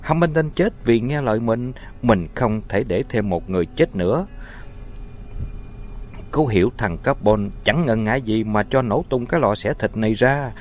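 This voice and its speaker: Man, audiobook narration, expressive, dull lo-fi sound, faint background music. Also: medium pitch, normal speed. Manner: expressive, dramatic reading. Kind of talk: storytelling narration.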